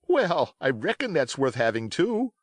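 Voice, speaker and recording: A man voicing an excited young pirate in a much higher voice. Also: unhurried, no echo, studio quality.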